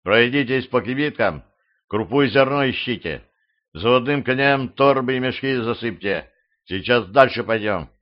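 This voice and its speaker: A man voicing a gruff, commanding middle-aged boyar warrior in an audiobook, mocking and bold in manner. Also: mid-range voice, lively intonation, moderate pace, natural voice. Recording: slightly dull lo-fi audio.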